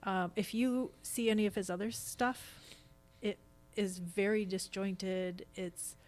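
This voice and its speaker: A woman's voice: medium pitch, fairly even intonation, takes it slowly, darkish tone. American woman in her fifties, podcast guest. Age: 50s. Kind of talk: casual podcast conversation, explaining.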